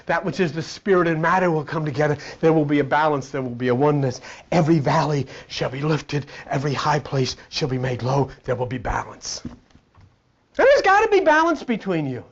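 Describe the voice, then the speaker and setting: A man preaching a blunt, fiery sermon, swinging between loud exhortation and hushed asides. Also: a little high, steady tone, brisk, few pauses, husky. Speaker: spiritual teacher. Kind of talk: sermon-style lecture. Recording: dull lo-fi recording.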